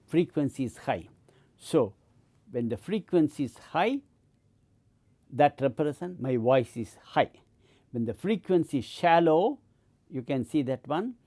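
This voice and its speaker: A middle-aged man with a mid-range, mellow voice gives an explanatory educational lecture, often repeating and restarting his points.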